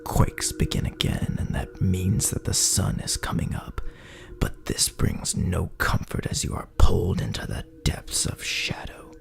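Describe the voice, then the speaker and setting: A man narrating a second-person sci-fi horror story in an ominous, dramatic way, his gravelly, breathy voice often sinking toward a whisper. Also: sits low, fairly even intonation. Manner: ominous, drawn-out, dramatic phrasing. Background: music.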